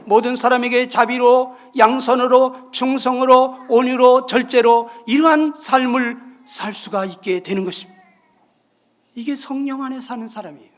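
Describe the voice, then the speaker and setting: Middle-aged male preacher, very high voice, emphatic bursts and hushed drops. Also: fairly even intonation, normal speed. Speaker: pastor. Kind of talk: sermon.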